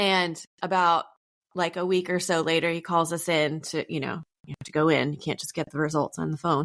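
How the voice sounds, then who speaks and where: Dry and close with no echo, a woman's fairly low voice moves at a fairly quick pace in a flat monotone. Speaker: podcast co-host. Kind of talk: personal testimony in casual chat.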